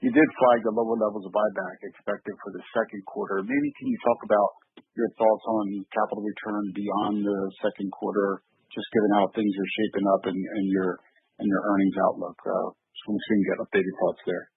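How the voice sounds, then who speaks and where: Gravelly, husky man on a phone line. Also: lowish voice, brisk, no room sound. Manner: polite, hesitant with fillers. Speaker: analyst asking questions. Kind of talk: earnings call questions. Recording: dry tinny phone line.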